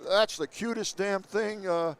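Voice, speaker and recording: Older male podcast host, higher voice, enthusiastic, casual interviewer. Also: fairly even intonation, a little slow, clean tone. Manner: chatty and enthusiastic. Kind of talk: casual trade show interview. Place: busy trade show floor.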